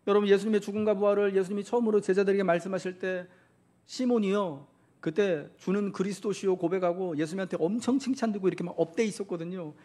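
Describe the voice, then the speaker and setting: A man's voice: high-pitched, steady tone, quick pace, warm tone. A man preaching a Sunday sermon as pastor, asking the congregation questions and acting out quotes.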